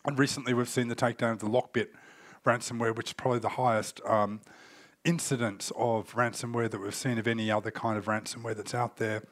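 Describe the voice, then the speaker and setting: A man's voice: medium pitch, steady tone, fairly quick, no room sound. A man in his forties, getting over a cold and coughing now and then, giving a conference keynote from a stage in a loose, explanatory way. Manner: loose spoken presentation with fillers, explanatory. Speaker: keynote speaker on cyber threat intelligence.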